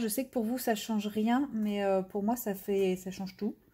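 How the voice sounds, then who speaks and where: The voice has a dark, mellow tone, somewhat breathy, with fairly even intonation against a quiet background. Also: woman. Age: 40s. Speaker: vlogger and crafter; vlogger. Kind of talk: casual vlog monologue; casual vlog chat. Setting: at home. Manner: hesitant, many fillers. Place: home room.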